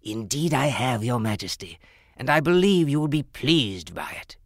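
A man voicing a fawning, eager-to-please male jeweler in a storybook tale, speaking in an obsequious, flattering way. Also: medium pitch, normal speed, dry recording, studio quality. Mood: deferential.

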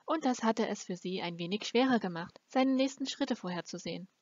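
A woman's voice: mid-range voice, expressive, brisk, a little mellow, dry recording. A woman reading a fantasy novel aloud as an amateur audiobook narrator. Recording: dull, lo-fi close recording.

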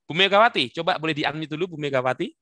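A man leading an online work-habits workshop, coaxing participants by name in a lively, teasing way over a video call. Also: on the high side, racing, no echo. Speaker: webinar trainer. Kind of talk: interactive online workshop talk.

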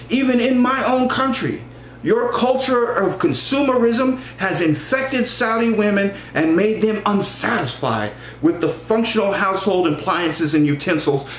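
Middle-aged American male author for a book reading; slightly high voice, deliberate delivery, echoey room. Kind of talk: introducing and reading aloud an excerpt from a novel. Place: small room at home, indoors. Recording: roomy echo, faint background hum.

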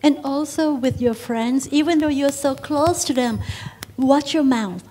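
Slow, high-voiced woman preaching. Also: dark tone, a little hiss or hum. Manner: speaks in short phrases, pausing for the interpreter. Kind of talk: sermon preached in English with live interpretation. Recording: church service.

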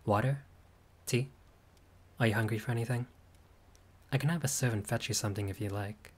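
A man's voice: medium pitch, a little fast, husky. A man voicing a friendly, showy young male vampire who chats playfully with a guest in a scripted audio roleplay. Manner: warm, chatty, playful.

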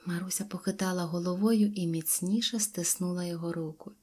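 A woman's voice: fairly low pitch, steady tone, fairly quick, darkish tone, slightly rough. A woman narrating an audiobook tale expressively, dropping to whispers at tense moments. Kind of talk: storybook narration.

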